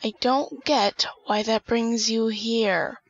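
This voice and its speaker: A woman's voice: on the high side, steady tone, takes it slowly, dry recording. A woman playing a bored, suspicious twenty-four-year-old in an audio drama, recorded dry and a little dull. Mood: annoyed. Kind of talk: hobby audio drama acting. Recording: dry, slightly dull sound.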